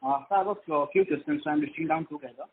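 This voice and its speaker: A man's voice: fairly high pitch, a little hiss or hum. A man, an analyst on a conference call, speaking on speakerphone away from the phone so he is hard to hear. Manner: hurried, listing questions. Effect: speakerphone, far from the phone mic, hard to hear. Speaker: analyst asking questions on an earnings call. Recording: tinny phone line.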